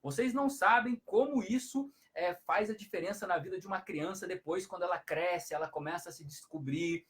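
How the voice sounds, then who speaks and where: A man's voice: high-pitched, brisk, few pauses, a bit bright. Man giving parenting tips. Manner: explanatory, repetitive, frequent tag questions. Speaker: hypnotherapist. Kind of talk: live-stream parenting advice talk.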